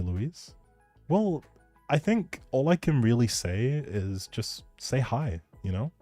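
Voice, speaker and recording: Male game streamer, relaxed dark tone, dry close sound, informal and reassuring chat over faint music. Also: on the low side, dry recording. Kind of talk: casual livestream chat with viewers.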